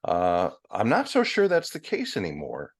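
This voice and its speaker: A middle-aged American man hosting a casual interview, musing his way haltingly through his thoughts. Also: on the low side, wildly swooping pitch. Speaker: interview host.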